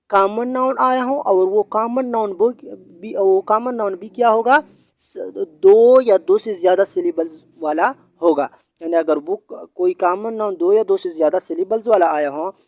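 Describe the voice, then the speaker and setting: A man teaching English grammar in a video lesson, explaining patiently, repeating points and pausing on hesitations. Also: high-pitched, a little mellow, dry recording.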